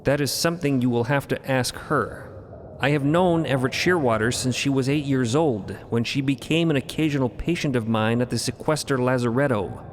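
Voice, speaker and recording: A man playing a calm, stern mentor of a religious order in audio fiction, speaking formally and precisely. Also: mid-range voice, moderate pace, big-room sound, a little hiss or hum, lightly acted. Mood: calm, admonishing.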